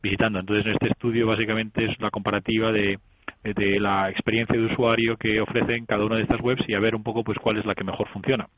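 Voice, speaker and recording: A man's voice: fairly low pitch, flat delivery, fast, background noise. A man calling in by telephone as a guest on a radio show, speaking hesitantly with many fillers and restarts. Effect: heard over a telephone line. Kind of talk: casual phone interview. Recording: narrow tinny phone line, dry.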